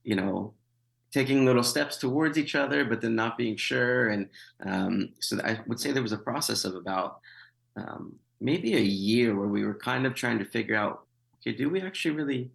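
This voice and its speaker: A man's voice: medium pitch, moderate pace, gravelly, a bit bright, poor audio. A man in his thirties, a missionary guest in an interview, telling his story with wry humor, many fillers and restarts. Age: 30s. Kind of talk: conversational interview.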